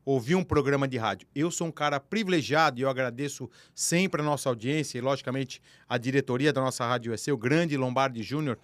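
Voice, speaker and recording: A man's voice: mid-range voice, quick pace, hardly any pauses, dry recording. A man hosting a podcast interview, effusive and welcoming toward his guest. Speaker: radio and podcast host.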